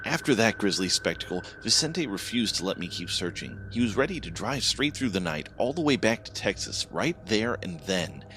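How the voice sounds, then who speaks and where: A man's voice: fairly low pitch, very animated, moderate pace, few pauses, slight background noise. A man narrating a horror story in the first person, with dramatic scripted delivery.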